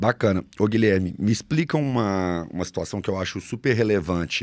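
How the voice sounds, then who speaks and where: With lively intonation and a moderate pace, a man talks in a plain, everyday voice that sits fairly low in pitch. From Brazil, Minas Gerais. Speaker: podcast host, agency founder. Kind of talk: podcast interview.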